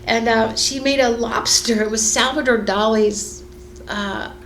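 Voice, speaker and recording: A woman's voice: a little high, steady tone, unhurried, a bit bright, soft background music. A middle-aged woman, a fashion designer, chatting casually and rambling with lots of fillers as she sews in her studio. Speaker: fashion designer and sewing vlogger. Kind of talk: casual chat while sewing. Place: sewing studio indoors. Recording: echoey room with faint ambience.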